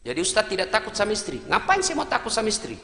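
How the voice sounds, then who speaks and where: A man preaching a humorous sermon to a congregation, emphatic and teasing, moving between quiet asides and shouts. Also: high voice, wildly swooping pitch, rapid-fire. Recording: echoey hall, faint noise.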